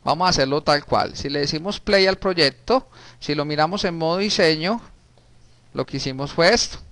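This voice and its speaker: Male instructor, 30s, easygoing classroom delivery, slightly high voice, clean dry close sound. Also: normal speed, a bit bright, no echo. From Colombia. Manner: casual, talks while typing, frequent restarts and diminutives. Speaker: programming teacher. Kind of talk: recorded screen-share coding lesson.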